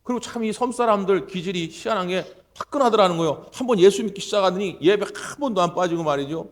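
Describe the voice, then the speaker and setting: Male pastor, sermon, high voice, storytelling, emphatic. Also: expressive, fast talker.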